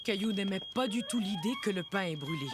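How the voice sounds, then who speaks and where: A woman narrator reading a scripted children's cartoon story with expressive storytelling. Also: mid-range voice, brisk. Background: prominent music.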